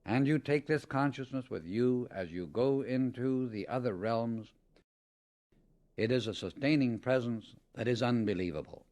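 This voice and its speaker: A man reading a scripted spiritual teaching as an audiobook, in a solemn, deliberate and emphatic manner. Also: mid-range voice, a little mellow. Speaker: audiobook reader.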